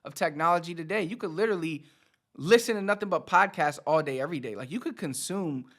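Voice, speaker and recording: A fast talker with a slightly high, fairly bright voice, this Spanish teacher in his thirties addresses the camera. His motivational talk is casual and conversational, with words repeated for emphasis.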